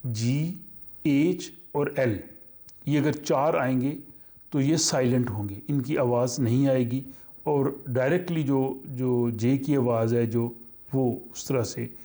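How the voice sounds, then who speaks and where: A man teaches a language lesson at an unhurried, deliberate pace. His voice is dark and mellow, and he pauses often with fillers as he works through each point. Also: mid-range voice. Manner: slow, halting explanation with many fillers.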